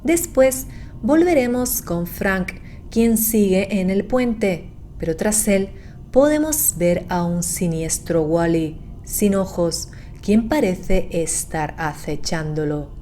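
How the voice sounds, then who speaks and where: A woman delivering scripted narration for a horror recap, in a measured, explanatory manner. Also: medium pitch, expressive, dark tone, a little hiss or hum.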